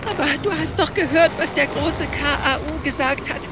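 A woman voicing a small, anxious and excitable computer ticket program with a childlike manner in a children's audio drama. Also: high voice, brisk. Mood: worried. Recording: loud music under the voice.

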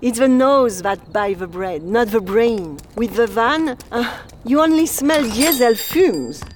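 A woman's voice: a little high, lively intonation, slow pace, noisy background. A woman playing a kindly older baker lady who fusses over her guests, speaking. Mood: fussing. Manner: fussing, warm-hearted, broken English. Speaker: bakery owner. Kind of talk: audio drama acting.

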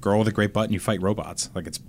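A man's voice: fairly low pitch, steady tone, quick pace, gravelly. Man in noisy casual podcast chat. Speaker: podcast host.

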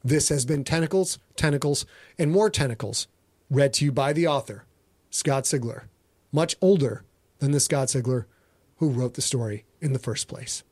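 A man's voice: medium pitch, normal speed, darkish tone, dry recording. A middle-aged American man giving a theatrical, mock-serious dramatic reading of a story as its narrator. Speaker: author and narrator.

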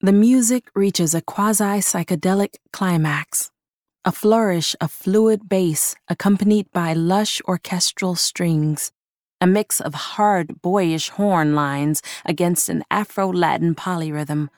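A woman reads literary fiction with slow, measured solemnity. Her voice sits fairly low and sounds dry and close. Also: a little mellow, no room sound. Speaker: story narrator. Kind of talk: literary audio fiction narration, first person.

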